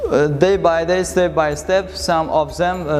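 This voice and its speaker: With an Uzbek accent, a man speaks fairly slowly in a flat monotone, amid audible room echo and noticeable background noise. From Uzbekistan. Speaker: English teacher. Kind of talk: lecture. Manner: halting.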